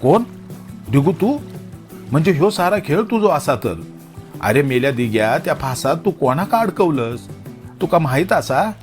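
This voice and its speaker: A man voicing a flustered middle-aged village aunt who speaks with a Malvani accent and scolds in a shrill, alarmed way. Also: expressive, moderate pace, faint music behind, close to an everyday voice. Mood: scolding.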